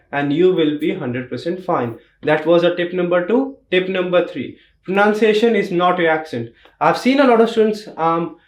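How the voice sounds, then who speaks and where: A man's voice: sits high, echoey room. A young man with an Indian accent teaching exam tips in an emphatic tutorial style, repeating key points. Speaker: test prep teacher. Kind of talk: instructional tutorial.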